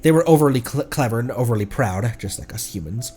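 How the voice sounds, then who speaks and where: A man voicing an earnest young male scholar in training, reading the game lines in a measured, explanatory way. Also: medium pitch, lively intonation, dark tone, faint music behind, voice pushed down, lightly acted. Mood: explaining.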